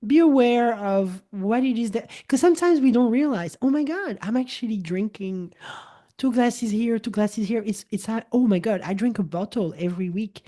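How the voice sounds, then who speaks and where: A woman's voice: a little high, normal speed. A woman in her forties, a native French speaker, talking as a wellness coach host in a casual conversation and often acting out quoted dialogue. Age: 40s. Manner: animated, repeats words and restarts, acts out quoted dialogue.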